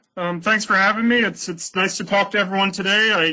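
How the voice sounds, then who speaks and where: The speaker moves at a fairly quick pace against a quiet background. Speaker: guest plant lecturer. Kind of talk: lecture. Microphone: video call.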